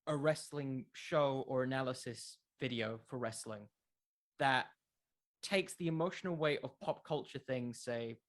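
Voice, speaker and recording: A man's voice: medium pitch, fairly bright tone. Earnest man explaining in casual interview chat. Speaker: podcast creator, interview guest.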